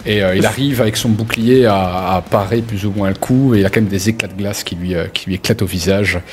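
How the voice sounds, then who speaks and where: Man, game master, low voice, informal improvised storytelling, faint background noise. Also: steady tone, fairly quick. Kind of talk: improvised tabletop role-play narration.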